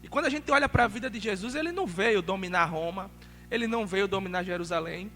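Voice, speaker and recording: A man with a northeastern Brazilian accent from Alagoas preaches in a church, his voice high and bright. He speaks in a friendly, conversational way that builds to emphatic preaching. Long church-hall reverb trails his words. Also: fast talker, faint music behind. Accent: Alagoas Northeastern Brazilian Portuguese. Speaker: missionary preacher. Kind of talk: sermon. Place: church sanctuary.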